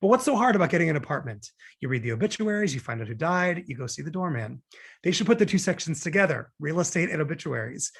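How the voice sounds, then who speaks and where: A man acts a wry, morbidly joking divorcing guy in a romantic comedy read. His voice is husky and full of fry, with lively, swooping intonation. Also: fairly high pitch, fast, heavily acted. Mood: wry, animated. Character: Harry, wry, morbidly joking, newly divorcing male consultant. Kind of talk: table read of romantic comedy film script.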